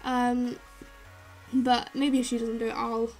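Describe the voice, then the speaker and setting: A woman's voice: on the high side, little pitch movement, slow, a little mellow, faint music behind. A young woman with a blocked, nasal nose, chatting loosely through a game-building voiceover with many fillers. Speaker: game building channel host. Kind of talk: casual voiceover over a speed build.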